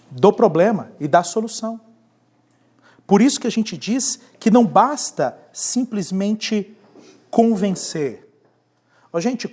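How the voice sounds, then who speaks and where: A pastor gives a classroom lecture on leadership. His delivery is lively, and he keeps coming back to the same key words. He questions the class as he goes. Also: high voice, breathy edge.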